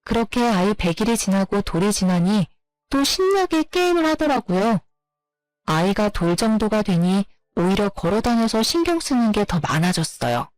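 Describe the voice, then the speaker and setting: Woman telling a real-life story, steady and plain, faint music under. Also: medium pitch, moderate pace, no echo, low-quality recording. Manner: steady retelling, heated in quoted arguments. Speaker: narrator. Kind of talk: storytelling narration.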